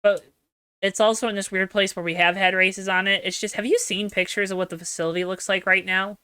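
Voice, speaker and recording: Bright, crisp-voiced young woman chatting. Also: medium pitch, little pitch movement, brisk, no echo. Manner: chatty, self-deprecating, joking. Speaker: podcast co-host. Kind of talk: casual chat.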